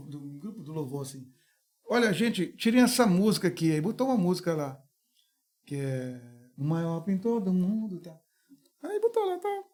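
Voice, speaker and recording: Um pastor brasileiro contando histórias num bate-papo descontraído, imitando as vozes das pessoas com animação. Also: male voice, sits high. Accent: Brazilian. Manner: animated, acts out voices in anecdotes. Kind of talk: casual storytelling chat.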